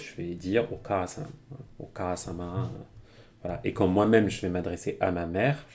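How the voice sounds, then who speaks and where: A man's voice: low voice, a little mellow, a little hiss or hum. A man giving a casual, chatty live-streamed language lesson, with many fillers and frequent laughs as he explains. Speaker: Japanese teacher. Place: home streaming setup.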